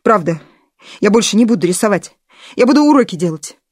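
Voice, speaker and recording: A woman voicing a flustered teenage stepson who pleads in a squeaky falsetto. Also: expressive, brisk, breathy edge, no echo, studio quality. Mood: frantic.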